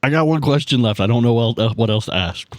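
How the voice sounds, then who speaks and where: A man's voice: medium pitch, lively intonation, quick pace, no room sound, clean studio sound. A man chatting casually as a player in a tabletop game, thinking aloud in informal, sweary language.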